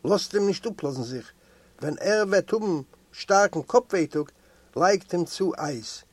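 A man reading aloud and voicing a gentle, fatherly prison doctor with a soft, mild voice. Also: sits high, lively intonation, unhurried, slightly rough, dry recording, full character voice. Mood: reassuring.

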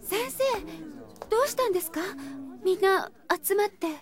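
A woman playing a gentle, earnest high-school girl in an anime audio drama, speaking softly and politely. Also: lively intonation, moderate pace. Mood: worried, determined. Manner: soft-spoken, polite, earnest.

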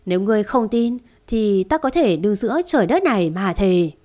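A woman's voice: mid-range voice, expressive, moderate pace, mellow, lightly acted. Storybook read: older family patriarch, earnest; woman narrator reads it plainly. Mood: defensive. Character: older man, wealthy family head, pleading.

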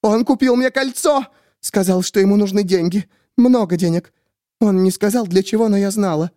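A hysterical, volatile young woman, as a male narrator puts her on, her voice pushed far above his own into shrill, frantic cries. She lurches from screaming fury to deluded, bitter insistence. The sound is dry and close, with no room around it. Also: moderate pace, dark tone, dry recording, natural voice. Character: unhinged jealous young woman with a gun.

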